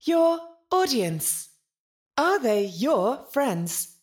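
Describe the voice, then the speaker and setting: A woman's voice: high voice, sing-song, very slow, darkish tone, heavily acted. A woman playing a polite, lonely, literal-minded nonhuman intelligence in an audio drama, speaking formally and precisely. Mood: friendly, curious. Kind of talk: audio fiction podcast acting.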